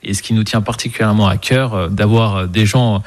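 A man's voice: fairly low pitch, fairly even intonation, fairly quick. A man who grows vegetables, speaking earnestly in a radio interview and restarting his phrases now and then. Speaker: market gardener.

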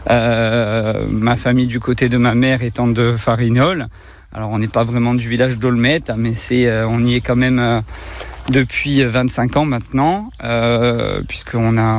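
A man's voice: medium pitch, slight background noise. A middle-aged man from Corsica, a zoo director, talks while walking outdoors through the park, hesitant with many fillers and restarts. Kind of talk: interview on a walking tour.

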